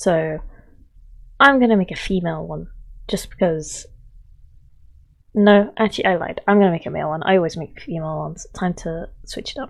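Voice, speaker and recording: A woman speaks at a moderate pace. Her pitch is fairly low, with ordinary variation. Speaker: gaming tutorial creator. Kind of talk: screen-recorded tutorial. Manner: casual, self-deprecating chatter.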